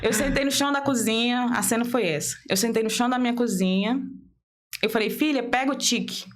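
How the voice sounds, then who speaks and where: A woman's voice: fairly high pitch, fairly even intonation, fairly quick. A woman in her thirties from Brazil, a podcast guest telling a personal story with animation, acting out dialogue and laughing as she goes. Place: podcast studio.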